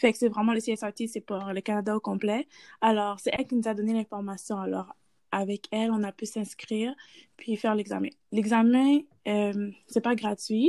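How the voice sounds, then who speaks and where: A woman's plain, everyday voice at a fairly high pitch, with fairly even intonation and a moderate pace, in a very clean recording with a silent background and a dry, close sound with no echo. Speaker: respiratory therapist. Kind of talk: interview.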